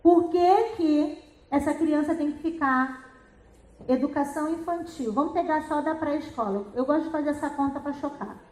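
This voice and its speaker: A middle-aged woman with a high voice explains reading lessons to teachers. She talks in a lively way and keeps asking rhetorical questions. The room around her is roomy and echoey. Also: moderate pace. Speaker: educational psychologist and teacher.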